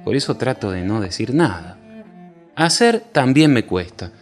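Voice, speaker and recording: A man voicing an ageless, white-bearded god, who talks slowly and is pleased with himself. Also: mid-range voice, very animated, soft background music, close to an everyday voice. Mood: languid. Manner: slow, drawn-out and self-satisfied.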